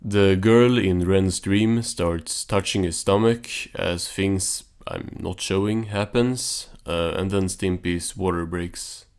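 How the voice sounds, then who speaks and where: Casting: man with a low voice, offhand and understated, casual cartoon recap narration. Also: steady tone, slow, hardly any pauses, heavy background noise.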